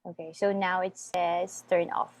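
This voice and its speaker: A woman's voice: lowish voice, little pitch movement, a little slow, darkish tone, rough recording. A woman with a Filipino accent, teaching a one-on-one voice lesson over a video call and patiently walking her student through each step. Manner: patient, many fillers and restarts, steps through instructions. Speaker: online voice teacher. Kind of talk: guiding a one-on-one online voice lesson.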